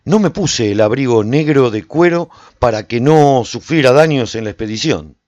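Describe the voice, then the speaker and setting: A man playing a reflective survivor, narrating a post-apocalyptic radio serial in the first person in a measured, dramatic way. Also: mid-range voice, a little mellow, no room sound, lo-fi sound, lightly acted. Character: reflective male survivor recounting life in a post-apocalyptic walled city.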